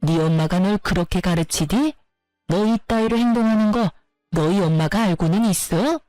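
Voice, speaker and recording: A woman's voice: medium pitch, moderate pace, dark tone, no echo, faint music behind, natural voice, rough recording. A woman voicing a domineering, insulting older mother-in-law who scolds with contempt, in a narrated story. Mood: scornful.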